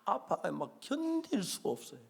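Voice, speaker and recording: A middle-aged man, preaching a sermon as a pastor and telling stories with acted-out dialogue and sudden loud bursts. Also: high-pitched, wildly swooping pitch, normal speed, vocal fry, breathy edge.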